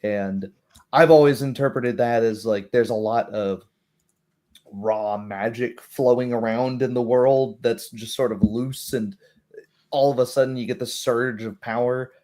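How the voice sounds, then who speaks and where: A man's voice: medium pitch, fairly even intonation, unhurried, a little mellow. A man chatting casually about tabletop games, acting out little asides as he explains. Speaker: tabletop roleplay show host.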